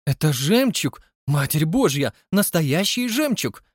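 A man's voice: animated, brisk, dry recording, clean studio sound. A man doing a squealing, flustered village woman. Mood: excited. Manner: exclaiming, high-pitched.

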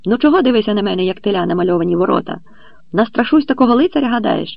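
A man voices a blunt, furious Cossack captain in a storybook reading, bellowing insults at a rowdy crowd. The voice is pushed high and loud with a gravelly rasp, recorded dry and a little dull. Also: animated, rapid-fire, no echo. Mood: furious, scolding. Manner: shouting insults, scolding a crowd.

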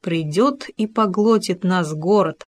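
A woman voicing a big, sorrowful male bear who speaks slowly and mournfully in a storybook reading. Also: on the low side, no echo. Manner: slow, mournful and brooding.

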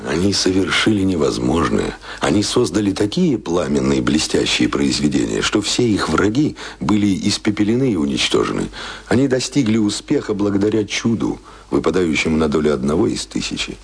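An actor playing a passionate, embittered young writer in a Russian radio play, declaiming proudly and scornfully in long tirades. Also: male voice, sits low, big pitch swings, brisk, creaky, slightly rough, heavily acted. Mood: fervent, determined.

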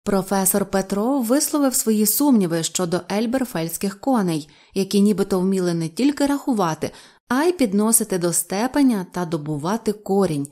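A woman reading a novel aloud as an audiobook narrator, in an even storytelling manner. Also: medium pitch, moderate pace. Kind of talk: scripted narration.

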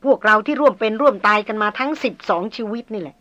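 A woman's voice: a little high, animated, quick pace, fairly bright tone. A woman voicing an anxious, hot-tempered young noblewoman who presses with indignant questions. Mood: heartfelt.

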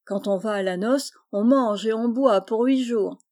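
A thrifty, devout servant woman, read by a woman storyteller, earnest and full of warnings. The voice is fairly high, mellow and soft-toned. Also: unhurried. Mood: cautioning.

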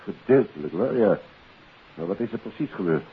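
An actor playing a businesslike, deliberate police investigator in a 1950s radio detective drama. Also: male voice, fairly low pitch, lively intonation. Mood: matter-of-fact. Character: matter-of-fact male police investigator reporting on a case. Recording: hissy, tinny 1950s radio recording.

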